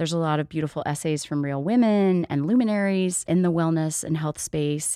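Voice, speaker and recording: A woman with a fairly low pitch and a normal speaking voice talks at a moderate pace, sounding dry and close with no echo on a very clean recording with a silent background. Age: 40s. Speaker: magazine editor-in-chief. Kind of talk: casual interview. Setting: studio.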